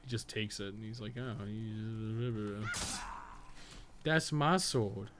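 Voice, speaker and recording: A man's voice: fairly low pitch, takes it slowly, fairly bright tone. A man giving casual, rambling live gameplay commentary, thinking aloud and swearing freely as he goes. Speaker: game streamer and podcast co-host. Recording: clearly noisy stream audio.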